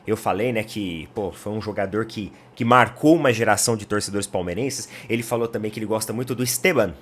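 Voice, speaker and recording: A man's voice: on the low side, brisk. Chatty Brazilian man talking football. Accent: Brazilian Portuguese. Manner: chatty and animated, addresses viewers directly. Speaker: football commentary channel host. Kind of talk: casual football opinion talk.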